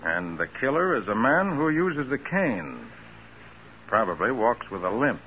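An actor playing a cool, daring private detective with an American accent, confident and unruffled in 1940s radio crime drama style. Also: male voice, mid-range voice, big pitch swings, unhurried. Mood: businesslike. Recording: dull, noisy 1940s radio recording.

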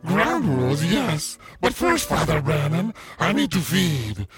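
A man's voice: a little high, big pitch swings, a little slow, faint music behind, voice pushed up. A man voicing a hungry male demon with a whiny, desperate voice in an audio drama. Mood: pleading. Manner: desperate, pleading.

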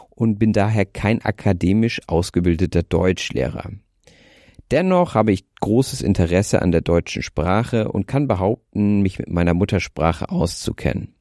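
A man's voice: fairly low pitch, darkish tone, no echo, clean studio sound. A man in his twenties with a light north German accent, carefully reading a prepared script as a podcast host. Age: 20s. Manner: careful, deliberate delivery aiming for standard German. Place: in bed under a blanket. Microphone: handheld microphone.

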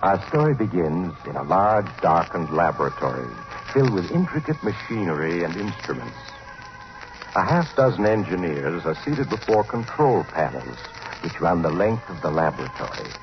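An actor playing an ominous, inviting male storyteller in theatrical, deliberate old-time radio suspense style. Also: low-pitched. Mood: suspenseful. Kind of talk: 1940s radio acting, suspense narration. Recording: dull vintage radio with loud music.

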